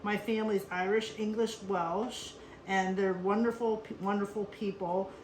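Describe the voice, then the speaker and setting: A woman's voice: medium pitch, fairly even intonation, moderate pace. A woman from Western Pennsylvania hosting a casual cooking demonstration, chatty and instructive, with frequent asides. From Western Pennsylvania, USA. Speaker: cooking show host. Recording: echoey room with clear background noise.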